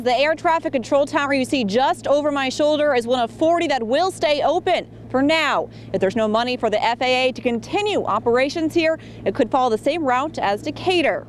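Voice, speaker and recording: A woman with an American accent delivering a scripted television news report. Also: high voice. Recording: clear background noise, ambience.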